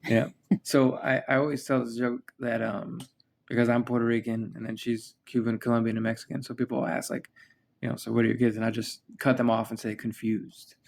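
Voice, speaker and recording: Gravelly-voiced man hosting a casual chat. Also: medium pitch, fairly quick, slight background noise. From United States. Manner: relaxed, rambling with many fillers and restarts. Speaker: podcast host.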